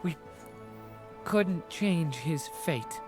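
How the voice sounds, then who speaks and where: Game role: compassionate young male hero, hesitant, slow delivery over music. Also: on the high side, expressive. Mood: sorrowful. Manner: hesitant, earnest. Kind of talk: video game voice acting. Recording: music playing behind the voice.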